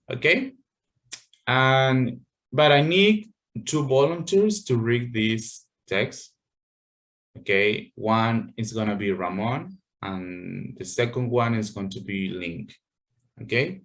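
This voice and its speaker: A man teaching an English class over a video call, patient and full of fillers, checking in with "okay" often. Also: mid-range voice.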